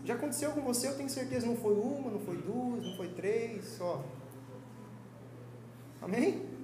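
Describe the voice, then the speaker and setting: A young man with a Brazilian Portuguese accent teaching a Sunday school sermon in a lively, joking, conversational way. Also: very high-pitched, moderate pace, roomy sound, noisy background. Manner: lively, joking, conversational preaching with quoted voices. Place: church hall.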